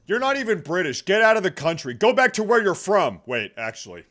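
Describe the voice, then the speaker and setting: A man's voice: high-pitched, sing-song, fairly quick, a bit bright. A man streaming a reaction video, making blunt, crude, mocking comments in casual chat.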